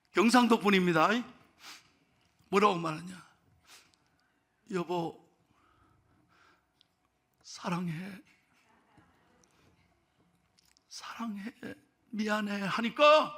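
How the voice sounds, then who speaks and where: High gravelly pastor preaching. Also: male voice. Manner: swings from hushed storytelling to loud exhortation. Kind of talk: sermon. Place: church sanctuary.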